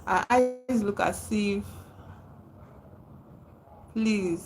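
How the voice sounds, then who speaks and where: A woman's voice: mid-range voice, drawn-out words, a little mellow, soft background music. Chatty Nigerian woman livestreaming. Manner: chatty, laughs often, answers viewers directly. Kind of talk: casual livestream chat reading comments.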